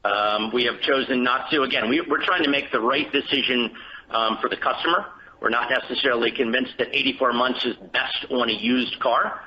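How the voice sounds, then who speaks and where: A man speaking as a finance executive on an earnings call, giving measured, careful answers. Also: medium pitch. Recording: dull conference call line with hiss.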